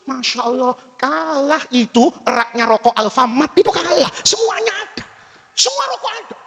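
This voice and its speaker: A male preacher telling a story in a sermon, animated and switching into lower voices for the characters. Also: normal speed, big-room sound.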